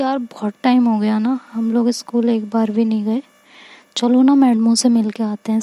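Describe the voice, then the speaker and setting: A woman's voice: on the high side, no room sound. A woman with an Indian accent narrating a romantic story in a casual, chatty way and voicing the dialogue herself. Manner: chatty, colloquial retelling with lively quoted dialogue.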